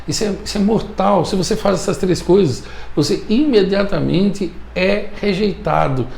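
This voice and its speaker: A man's voice: high voice, moderate pace, vocal fry, darkish tone, roomy sound, slight background noise. A man with a Brazilian Portuguese accent giving an emphatic motivational talk as a communication coach, repeating his key points and often checking that listeners follow.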